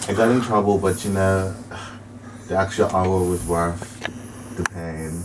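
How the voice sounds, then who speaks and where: A man's voice: deep voice, fairly even intonation, a little slow. A young man hosting a casual student radio interview, chatty and upbeat, laughing often. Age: young adult. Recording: distant mic, faint background noise.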